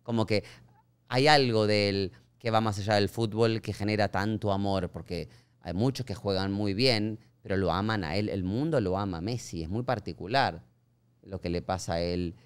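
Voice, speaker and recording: A man's voice: lowish voice, moderate pace, clear, resonant tone. A man from Argentina with an Argentine accent, a guest chatting on a podcast and acting out quoted voices as he tells stories. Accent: Argentine Spanish. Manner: expressive, acts out quoted voices. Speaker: actor guest. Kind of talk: casual podcast chat. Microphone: studio podcast mic.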